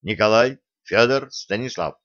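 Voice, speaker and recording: A man's voice: fairly low pitch, expressive, a little slow, a bit bright, no room sound. A stern karate sensei gives short, commanding orders, voiced by a male reader. The sound is dry and a little muffled. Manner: curt, commanding.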